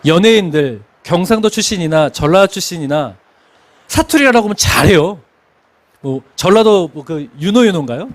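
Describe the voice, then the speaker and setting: A middle-aged male pastor delivers a Sunday sermon in a notably high voice. His pitch swings widely as he tells stories, and he breaks into laughter now and then. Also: moderate pace. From Chungcheong, Korea. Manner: expressive preaching, sings hymn lines, laughs while telling stories.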